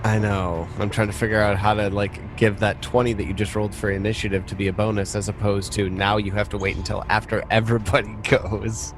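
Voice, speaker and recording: A man's voice: fairly low pitch, flat delivery, fairly quick, hardly any pauses, over music. A man narrating a tabletop roleplaying game as game master in a casual, conversational way. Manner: informal, conversational.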